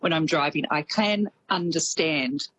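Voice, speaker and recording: A woman's voice: low voice, a little slow, a bit bright, slight background noise. A woman correspondent with an Australian accent touched by New Zealand, chatting easily on radio and laughing often. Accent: Australian with some New Zealand.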